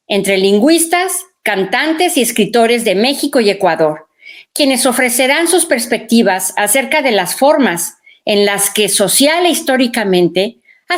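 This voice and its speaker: A woman reads a formal welcome with a ceremonious air. Her voice is fairly high and moves a lot in pitch. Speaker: program presenter. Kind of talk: formal read welcome speech.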